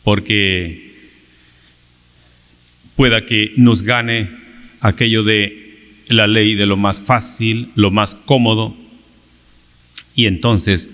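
A middle-aged man preaching a Sunday homily from a church pulpit, measured and deliberate, with rhetorical questions. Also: on the low side, a bit bright. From Peru. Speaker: priest. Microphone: pulpit microphone on a stand. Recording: long church reverb.

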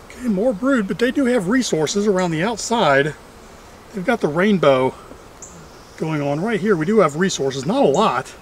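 High-pitched middle-aged man, casual outdoor chatter. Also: expressive, moderate pace, slight background noise. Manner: chatty, dryly humorous. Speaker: beekeeper and vlog host. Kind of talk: casual running commentary while working. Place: outdoors among trees at beehives.

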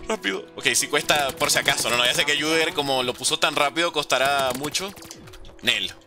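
A young man doing animated gameplay commentary, talking straight to his viewers. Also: fairly high pitch, a little fast. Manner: animated, excitable, talks to viewers. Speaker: gaming YouTuber. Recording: game music behind voice.

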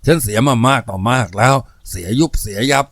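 A man's voice: mid-range voice, animated, a little fast, a bit bright, dry recording, studio quality. A man voicing a scheming, lustful gangster boss in a spoken novel, sly and complaining. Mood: smooth persuading.

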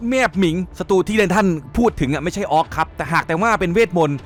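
A man narrating a casual manga spoiler recap in an excitable, crude, joking manner. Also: high-pitched, quick pace.

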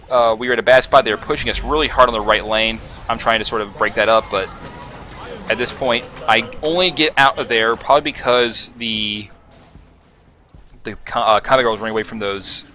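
Bright-voiced man narrating his gameplay. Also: on the low side. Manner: rambling, many fillers and self-corrections. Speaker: gaming commentator. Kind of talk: casual gameplay commentary.

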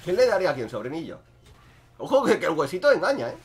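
Young man, gameplay commentary, excitable and joking, wildly lively pitch. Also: fast. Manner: excitable, joking, swings between loud outbursts and muttering. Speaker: gaming streamer.

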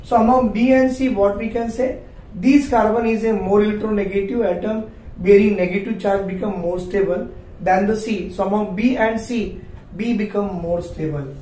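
A man's voice: sits high, fairly even intonation, normal speed, dark tone. A man in his forties with a South Asian accent, giving an instructional classroom lecture, repeating points and asking questions he then answers. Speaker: chemistry teacher. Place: small indoor classroom at a whiteboard. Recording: roomy echo, distant mic, faint noise.

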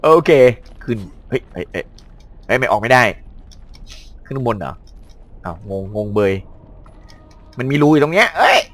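A man giving excitable, joking commentary while playing an action game. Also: mid-range voice, moderate pace, pauses often. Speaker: gameplay commentator. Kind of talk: let's play commentary.

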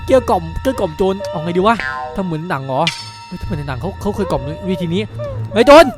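Man voicing a bumbling young cop, shouty and excitable, music in the background. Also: high-pitched, quick pace. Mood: frantic. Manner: shouty, frantic, then meekly apologetic. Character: clumsy excitable young male policeman. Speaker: channel host. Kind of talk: Minecraft cartoon dubbing.

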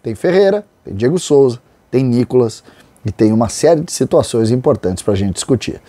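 A middle-aged host from Rio do Sul gives opinionated, chatty football commentary, drawing out key words to make his points. His voice is medium-pitched, animated, mellow, and dark, recorded dry and close on a lapel mic in a small indoor studio with a branded backdrop.

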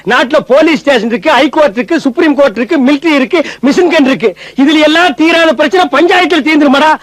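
A man's voice: very high voice, fast, no room sound. A man delivering mocking, exasperated film comedy dialogue, scolding everyone around him. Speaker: comic film actor.

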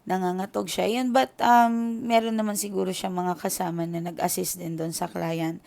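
A woman's voice: on the low side, steady tone, moderate pace, vocal fry, darkish tone. A young Filipino woman telling a story to her viewers in an emotional, chatty way, switching between Tagalog and English. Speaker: tarot reader.

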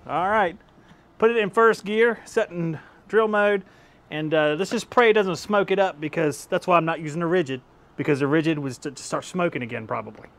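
Casual workshop host, a man in his thirties, slightly high voice, relaxed and chatty, lapel mic. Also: a little fast. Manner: chatty and easygoing, laughs at his own results. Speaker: tool-testing YouTube host. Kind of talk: casual hands-on tool review. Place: home workshop with shelves of power tools, indoors. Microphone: clip-on lapel mic.

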